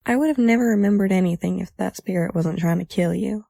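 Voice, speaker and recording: A woman's voice: mid-range voice, fast talker, creaky, mellow, no room sound. A woman playing a casual, stubbornly optimistic young woman in an audio drama, folksy and informal.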